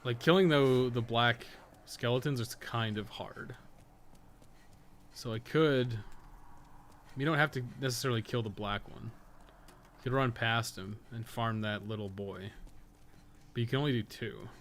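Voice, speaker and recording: A man with a mid-pitched voice talks through a game as he plays. He thinks aloud in an informal, rambling way and swears casually. There is noticeable noise behind him. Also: a little slow, pauses often, a bit bright. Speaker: game streamer and podcast co-host. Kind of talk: casual live gameplay commentary, thinking aloud. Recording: clearly noisy stream audio.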